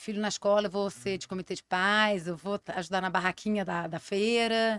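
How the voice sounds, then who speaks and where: Speaking in a Rio de Janeiro accent, a woman has an energetic tone. The recording is very clean with a silent background, and the sound is dry and close with no echo. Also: medium pitch for a woman, moderate pace. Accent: carioca. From Rio de Janeiro, Brazil. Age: 50s. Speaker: business executive and amateur athlete. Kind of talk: podcast interview.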